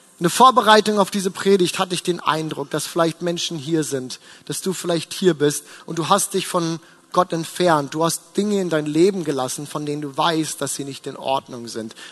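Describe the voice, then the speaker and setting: Over music in the background, a man with a high pitch talks at a moderate pace with ordinary pitch variation. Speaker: preacher. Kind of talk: sermon. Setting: church. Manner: earnest, direct appeal to the listener; warm, storytelling, conversational.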